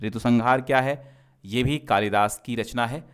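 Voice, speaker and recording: A man's voice: medium pitch, normal speed, clean tone. A man teaching an exam-prep lesson, walking through answers and often checking in with the class, at times chanting word forms in a sing-song. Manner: checks in often with "theek hai".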